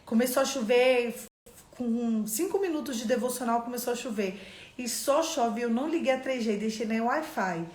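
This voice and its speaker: A woman's voice: fairly high pitch, moderate pace, darkish tone. Echoey Brazilian woman teaching a devotional. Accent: Brazilian Portuguese. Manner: conversational, addresses viewers directly with questions. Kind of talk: live-streamed devotional teaching. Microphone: phone or computer on a live stream. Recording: echoey room.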